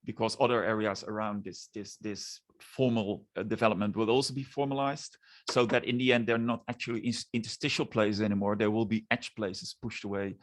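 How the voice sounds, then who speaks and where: A male academic discussant with a somewhat low voice. He talks in a measured, thoughtful way, often pausing and restarting his sentences as he works through a question. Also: steady tone.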